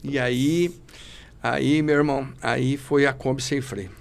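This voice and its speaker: A man's voice: mid-range voice, steady tone, slow pace, vocal fry. A man giving an emotional personal testimony as a podcast guest, speaking fervently and in a preachy way, often calling the listener brother.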